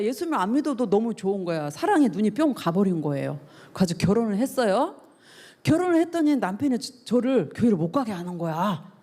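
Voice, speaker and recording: A woman's voice: mid-range voice, mellow. A middle-aged woman pastor preaching to a youth service, asking the young listeners questions and acting out the voices she quotes. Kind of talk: youth sermon. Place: church service.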